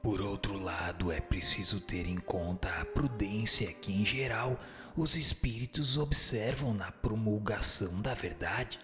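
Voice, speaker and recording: Man playing a solemn spirit teacher, bright forceful voice. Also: lowish voice, a little slow. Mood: didactic, patient. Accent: Brazilian. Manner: solemn, didactic, rhetorical, formal. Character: wise, solemn male spirit teacher admonishing humans. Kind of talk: radio drama reading of a spiritist text. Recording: music behind the voice.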